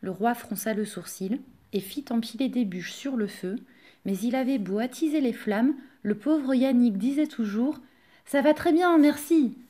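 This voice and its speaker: A woman from a library reading a fairy tale aloud, expressive and speaking to young listeners. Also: a little high, moderate pace. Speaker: library storyteller.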